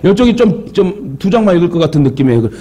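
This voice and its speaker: A man's voice: high voice, very animated, quick pace, warm tone, husky. A male pastor with a Jeolla Korean accent, preaching a sermon with joking asides and calls for amens. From Jeolla region of Korea. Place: church sanctuary.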